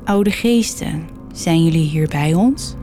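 A woman's voice: deep voice, slow pace, warm tone, soft background music. A woman doing a solemn séance leader. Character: man leading a séance, solemn and nervous.

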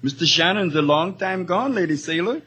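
A man playing a loyal, gentle and droll hotel helper in a 1950s radio drama. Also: high-pitched, expressive, moderate pace, over loud music. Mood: gently concerned. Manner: refers to himself in third person, droll.

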